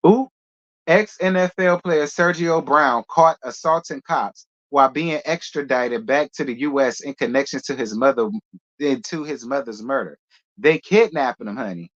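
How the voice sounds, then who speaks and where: A man's voice: medium pitch, moderate pace. A man hosting casual gossip commentary in a sassy, chatty way with laughing asides. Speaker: host. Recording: dull lo-fi.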